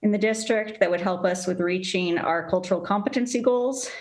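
A woman is speaking against a quiet background. Her pitch varies in an ordinary way. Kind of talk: meeting chairing remarks. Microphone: video call.

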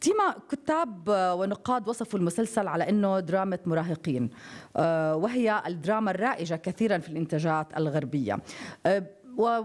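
A woman's lively intonation at a medium pitch and moderate pace, over a quiet background. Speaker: moderator and media presenter; moderator, presenter. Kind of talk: panel moderation. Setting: stage with audience. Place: stage.

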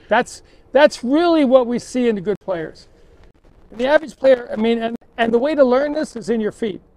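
An extremely high-pitched man speaks at a moderate pace with ordinary pitch variation. The sound is dry, with no echo. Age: 70s. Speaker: golf coach. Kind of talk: tutorial. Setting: outdoors. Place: open country.

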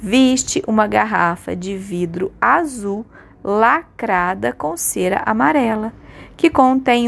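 Very slowly and in a dramatic tone, a woman speaks at a medium pitch. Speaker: audiobook narrator. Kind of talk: dramatic audiobook narration. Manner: dramatic, expressive, voicing characters' outbursts.

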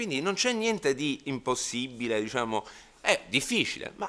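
A man speaks at a moderate pace in a fairly high, bright, sharp voice. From Sicily, Trapani; Sicily. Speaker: lawyer; defence lawyer in trial. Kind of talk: closing argument in court. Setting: courtroom. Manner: hesitant, many fillers. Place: hall. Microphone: podium.

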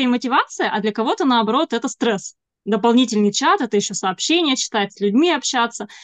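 A very fast woman's voice, high-pitched with lively intonation, dry with no echo over a quiet background. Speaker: decluttering coach and marathon host; decluttering coach, marathon host. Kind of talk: interview. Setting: video call. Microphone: webcam.

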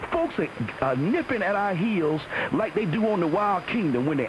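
Over noticeable background noise, a high-pitched man talks at a fairly quick pace with lively intonation. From US South, Atlanta, Georgia. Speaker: radio talk show host. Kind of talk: call-in radio debate. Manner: animated. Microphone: phone line.

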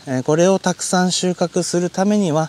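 A man is heard with a dry, close sound and no echo. Background noise is noticeable. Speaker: farm owner and vegetable growing instructor. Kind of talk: gardening tutorial talk to camera. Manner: polite, formal.

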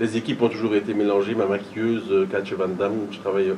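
A man talks in a fairly low, monotone, flat voice over noticeable background noise. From Belgium, grew up in Germany. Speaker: film director; panelist. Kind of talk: panel discussion. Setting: stage with audience. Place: hall.

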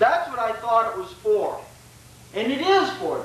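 With audible room echo and light background noise, a man speaks at a moderate pace in an extremely high pitch that swings very widely. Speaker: lecturer. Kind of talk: lecture. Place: hall. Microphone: camera far.

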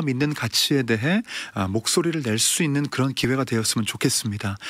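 At a fairly quick pace, a man talks in a dry sound with no echo. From South Korea. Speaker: pastor and mayoral candidate. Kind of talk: interview. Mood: earnest, calm. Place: studio. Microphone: studio mic.

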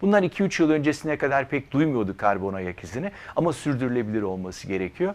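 A man's medium-pitched voice at a fairly quick pace, with very wide pitch swings and hardly any pauses. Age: 60s. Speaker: company founder, environmental entrepreneur. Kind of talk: TV interview. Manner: hesitant, frequent filler sounds.

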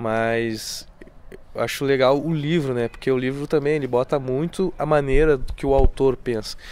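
This man has a plain, everyday voice, fairly high in pitch, talking at a fairly slow pace with fairly even intonation in a dry sound with no echo. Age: 30s. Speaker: employment agency worker; interview guest. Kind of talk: casual interview chat. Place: garden. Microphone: handheld.

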